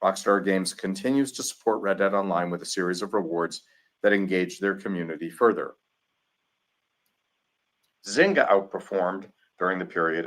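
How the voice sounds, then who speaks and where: Male executive for a quarterly earnings call, low register, formal measured read of prepared corporate remarks. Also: fairly bright tone. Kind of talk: scripted corporate earnings presentation.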